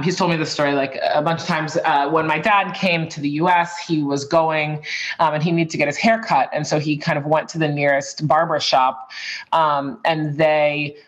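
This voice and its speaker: A woman from Boston, in her thirties, speaking as an interview guest in a warm, chatty way with frequent ums and likes. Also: deep voice, poor audio. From Boston, USA. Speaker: guest, tech author. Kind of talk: casual interview.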